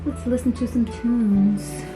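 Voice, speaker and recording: In a small bedroom, a young woman runs through a casual makeup tutorial as a beauty vlogger, talking playfully while a retainer slightly slurs her speech. Her fairly high voice stays steady at a slow pace, heard over music in a low-quality recording.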